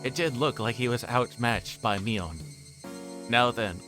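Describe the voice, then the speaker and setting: A man's voice: medium pitch, normal speed, a bit bright. A man livestreaming a visual novel, reading narration aloud with casual asides, often stumbling and rereading lines. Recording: music playing behind the voice.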